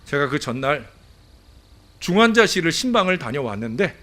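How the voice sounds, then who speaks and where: A man preaching an earnest sermon as pastor in a church, moving between hushed and emphatic. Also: on the high side, very animated, normal speed. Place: church sanctuary.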